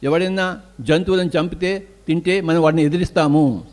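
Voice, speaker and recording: Man, spiritual teacher, emphatic sermon, rhetorical questions, slightly high voice, faint birds behind. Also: moderate pace, a little mellow. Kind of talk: spiritual discourse.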